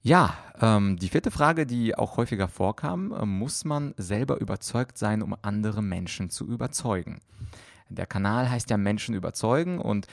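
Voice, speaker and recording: A man's voice: on the low side, expressive, normal speed, creaky, no echo, studio quality. A man speaking as a coach, explaining at length with many fillers on a podcast answering listener questions.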